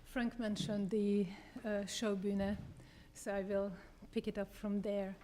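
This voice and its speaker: Woman w/ giving a talk, mellow voice, slow and hesitant, faint hum behind. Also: mid-range voice, little pitch movement. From Hungary. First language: Hungarian. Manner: measured, with many hesitations. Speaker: dramaturg presenting her book. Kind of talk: public talk with slides. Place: theater event space. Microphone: handheld microphone.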